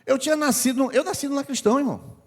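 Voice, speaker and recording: A man's voice: very high-pitched, fast, a little mellow. An older man with a Brazilian Portuguese accent preaching a sermon in a church hall, talking conversationally and repeating phrases for emphasis. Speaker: pastor. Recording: long church-hall reverb.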